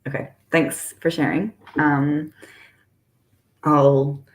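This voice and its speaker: A woman's voice: low-pitched, flat delivery, extremely slow, reverberant. A young woman who grew up in the United Arab Emirates, hosting a conversational panel interview and affirming her guest often. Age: young adult. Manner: friendly, affirming, lots of "mm-hmm". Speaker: interview host.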